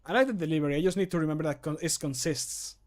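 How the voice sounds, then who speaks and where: A man in his thirties, a streamer and amateur voice actor, races along in a fairly high voice while chatting on a livestream as he works. He mutters and pokes fun at himself. He's in a small room at home.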